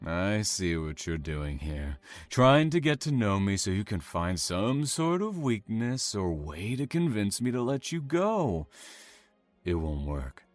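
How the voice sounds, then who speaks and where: A man playing a calm, taunting, self-satisfied serial killer in an audio drama, savoring his words with theatrical menace. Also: on the low side, measured pace, dry recording. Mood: calm, relishing.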